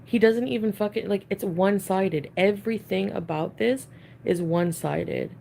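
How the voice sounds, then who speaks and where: A woman's voice: mid-range voice, normal speed, gravelly, dark tone, slight background noise. A woman in a played clip, talking through a breakup in a rambling way that is full of "like" fillers and sounds upset.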